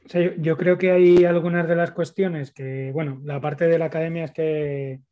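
A man's voice: a little high, level tone, moderate pace, muffled recording. A man with a Spanish accent from Spain, moderating and talking casually in a seminar discussion.

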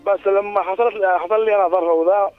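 متصل سريع الكلام عبر الهاتف. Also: male voice, sits high, fairly even intonation, fast talker, smooth, dry recording. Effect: heard over a phone line. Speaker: radio show caller. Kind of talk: casual call-in chat. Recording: tinny phone line with faint music.

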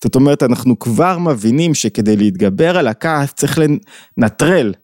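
A man's voice: mid-range voice, expressive, darkish tone, no echo, studio quality. A man teaching a reflective spoken lesson, asking his listeners questions and voicing the people in his examples. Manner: reflective, poses questions to listeners, acts out quoted voices. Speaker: lecturer on Jewish thought.

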